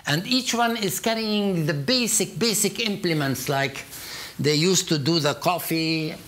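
An older man from Palestine with an Arabic accent, speaking English as a guest on stage in a lecture hall, telling stories with emphatic, animated delivery and many restarts. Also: on the high side, a little slow. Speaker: art collector, guest. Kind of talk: conversational storytelling on stage. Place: lecture hall with seated audience.

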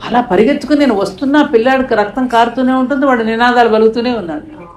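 A woman's voice: on the high side, fast talker, darkish tone, reverberant, rough recording. An older woman from India, telling a story in an interview with a passionate, emphatic manner. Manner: impassioned, rising to emphatic peaks. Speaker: guest speaker.

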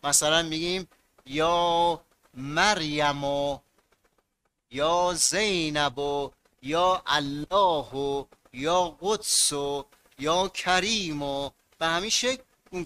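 A man's voice: on the high side, sharp tone, clear, resonant tone. A man teaching a grammar lesson to students, repeating key words and asking them to fill in blanks.

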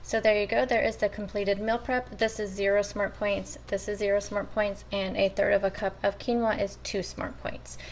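This cooking vlogger has a medium-pitched voice with a flat delivery, speaking at normal speed with hardly any pauses, and there's a little hiss or hum behind her. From her home kitchen she chats through her meal prep step by step, calling viewers "you guys."

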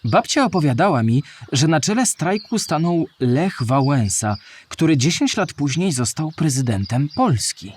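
An actor playing a curious young schoolboy who eagerly asks questions in a scripted children's audio drama. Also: male voice, on the high side, big pitch swings, normal speed, few pauses, husky. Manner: inquisitive, eager. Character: Historyjek, curious young schoolboy asking about history.

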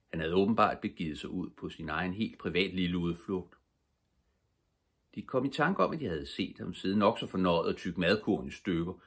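An older man reading a children's book aloud as a calm, steady bedtime story. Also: low voice, breathy edge. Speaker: storybook reader.

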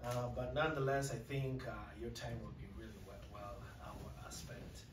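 A man's voice: mid-range voice, fairly quick, echoey room. Guy introducing a speaker, lots of uhs and you knows, noisy distant room mic. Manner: hesitant, many fillers and "you know". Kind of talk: casual introduction. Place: large lecture room with stained glass. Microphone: podium mic, recorded by far camera.

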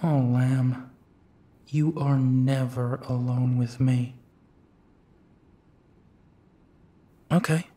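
An actor playing a gentle, protective male werewolf detective in an intimate audio roleplay, speaking softly and earnestly, with reassuring pauses. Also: mid-range voice, fairly even intonation. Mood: soft, hesitant. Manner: slow, soft, reassuring, with pauses and sighs. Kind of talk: intimate second-person audio drama roleplay.

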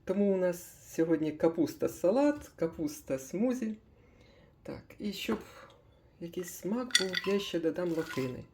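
An older woman chatting casually as she makes a breakfast smoothie in her kitchen, thinking aloud with small laughs. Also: fairly low pitch, animated, a little slow, a little hiss or hum. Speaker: cooking vlogger.

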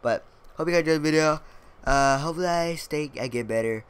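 A man's voice: a little high, quick pace, clean tone. A young man with a stuffy, congested voice and a cough, rambling casually over his gameplay commentary with lots of fillers and playful boasting. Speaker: gaming video creator.

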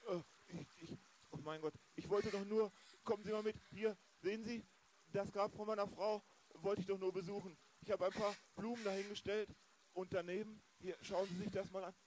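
A man's voice: sits high, fairly even intonation, normal speed, a little mellow, slight background noise, close to an everyday voice. A man acting a shaken elderly man in an amateur German radio play, stammering and agitated. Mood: agitated, horrified. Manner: stammering, agitated, repeating himself. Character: flustered, shaken elderly male cemetery visitor.

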